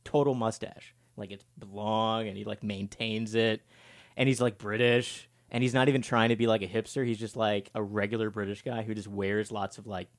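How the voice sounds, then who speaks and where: A man's voice: on the low side, flat delivery, normal speed, no room sound. Chatty man in his forties, dry sound. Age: 40s. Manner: chatty, rambling, self-mocking. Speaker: podcast host. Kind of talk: casual chat.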